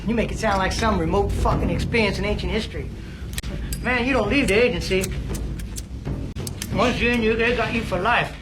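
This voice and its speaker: An actor playing a paranoid, disgraced middle-aged former priest and spy, profane and rambling, in film audio with music. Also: male voice, high-pitched, brisk, pauses often, close to an everyday voice. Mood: nervous. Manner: profane, rambling, panicky outbursts. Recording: film audio with loud score.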